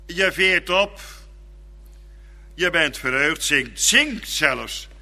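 A man delivers a sermon in a high, strikingly bright voice, taking his time over each fervent phrase. His words ring out with a long reverb, as in a church hall. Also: expressive, vocal fry. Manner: slow, fervent preaching with quiet, drawn-out phrases. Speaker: preacher.

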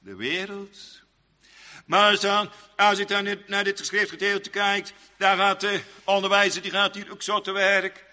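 A man preaching a sermon in old-fashioned churchly phrasing, rambling, repeating himself and pausing with many fillers. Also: high voice, completely flat delivery, bright, forceful tone, big-room sound.

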